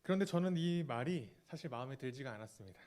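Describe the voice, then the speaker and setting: A man in his thirties preaching a sermon as pastor, earnest and confessional, often trailing off softly, with small fillers and restarts. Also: medium pitch, lively intonation, quick pace. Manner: fillers and self-corrections.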